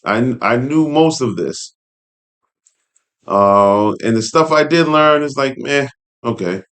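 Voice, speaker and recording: While reading an article aloud, a host and commentator chats informally, sharing his opinions and wandering into asides. He speaks slowly and expressively at a medium pitch, with a fairly bright tone.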